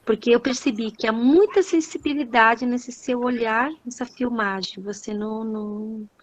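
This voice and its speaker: Older Chilean woman, reflective, high voice. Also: normal speed, low-quality recording. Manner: reflective, says "né" constantly. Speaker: audience participant. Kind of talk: casual chat. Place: home.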